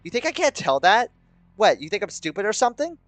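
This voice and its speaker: Hot-tempered bickering teen, played by a man, combative and sweary, raised pitch, dry sound. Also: lively intonation, rapid-fire, bright, forceful tone, dry recording. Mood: angry. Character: hot-tempered, bickering inner voices of troubled teens. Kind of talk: dramatic dialogue reading.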